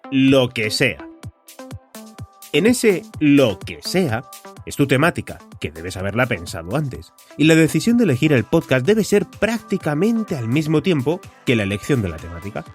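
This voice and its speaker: Spanish man podcasting, animated intonation. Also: mid-range voice, moderate pace, faint music behind. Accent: Spain. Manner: direct address to listener with rhetorical questions. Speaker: podcast host. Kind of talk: conversational solo podcast monologue.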